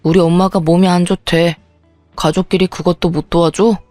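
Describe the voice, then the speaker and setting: Woman playing a dismissive husband, curt, offhand, lowered voice, dry sound, faint music. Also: flat delivery, moderate pace, dark tone, dry recording, close to an everyday voice. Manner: brushing off, curt. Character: dismissive, selfish young husband. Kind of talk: storytelling radio reading.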